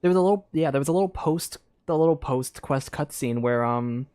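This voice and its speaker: A woman's voice: deep voice, fairly quick, dark tone, no echo, studio quality. A woman giving casual gameplay commentary as a streamer, rambling and thinking aloud. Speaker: game streamer.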